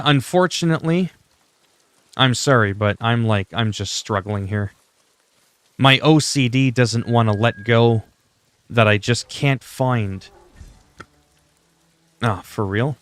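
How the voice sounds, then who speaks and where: A mid-range, slightly bright voice belongs to this French-native streamer, who talks slowly with long pauses. He's chatty and full of opinions, addressing viewers casually during a gaming livestream.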